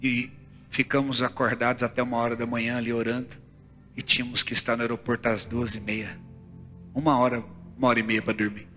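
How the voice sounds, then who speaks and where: A man with a Brazilian Portuguese accent preaching a sermon in a church, moving from hushed storytelling to loud, fervent exhortation. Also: mid-range voice, little pitch movement, a little fast. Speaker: pastor. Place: church sanctuary. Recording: church hall with long reverb and faint music.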